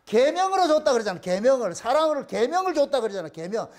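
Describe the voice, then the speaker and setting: A man's voice: extremely high pitch, big pitch swings, fast talker. A male pastor preaching a sermon in an emphatic, repetitive way, asking many rhetorical questions.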